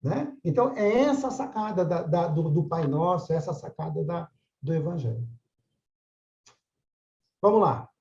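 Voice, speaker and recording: Older male class mediator, casual and animated, muffled roomy audio. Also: on the high side, moderate pace, pauses often. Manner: conversational, frequent tag questions. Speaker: course mediator. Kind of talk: religious study class.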